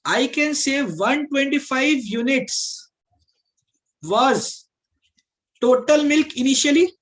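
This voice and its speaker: This aptitude teacher speaks slowly in a very high, animated, slightly bright voice with a South Asian accent. His classroom explanation proceeds step by step, with repeated points, a mix of Hindi and English, and frequent questions to make sure students are following.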